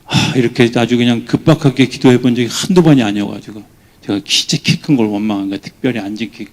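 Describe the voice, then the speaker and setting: A male pastor giving a lively weekday sermon, acting out the voices he quotes with sudden rises in pitch and volume. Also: fast talker. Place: church.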